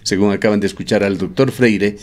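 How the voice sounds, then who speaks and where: Low-voiced man hosting a radio newscast. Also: steady tone. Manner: measured newsreading with fillers. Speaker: radio news host. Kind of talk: radio news interview and report. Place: radio studio.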